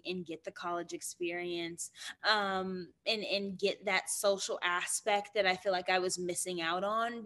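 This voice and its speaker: A young woman speaks as a guest over a video call from a small indoor room. She tells her stories in an animated, quick way, her pitch sitting in a middle range, and fills her sentences with ums and restarts. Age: young adult. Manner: animated, quick storytelling with fillers and repeats. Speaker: guest actor.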